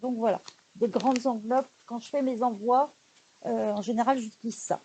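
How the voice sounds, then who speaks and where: A woman presenting her recent craft purchases in a casual, chatty haul video, often pausing on fillers. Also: on the high side, fairly even intonation, warm tone, slight background noise. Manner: chatty, many hesitation fillers and "donc voilà". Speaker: craft YouTuber showing purchases.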